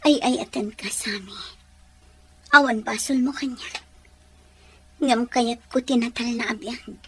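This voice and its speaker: An actress playing a hurt, gentle young woman in a radio drama, pleading and resigned. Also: a little high, measured pace, slightly rough, exaggerated voice. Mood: sorrowful, resigned. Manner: pleading, sorrowful.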